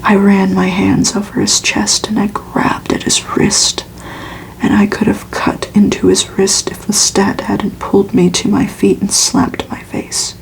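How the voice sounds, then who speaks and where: A woman whispers a gothic novel in an ASMR style, with very little rise or fall in pitch. Her reading is slow and soft, with a creaky edge to the breathy delivery. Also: poor audio. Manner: soft, unhurried, steady whispering.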